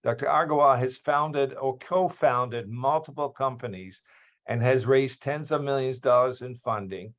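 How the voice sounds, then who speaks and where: A man from Australia, hosting a lecture series over a video call, reads out a guest's introduction. He halts often with ums and restarts. His mid-pitched voice comes through dull and lo-fi. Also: moderate pace. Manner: hesitant, many ums and restarts. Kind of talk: formal speaker introduction.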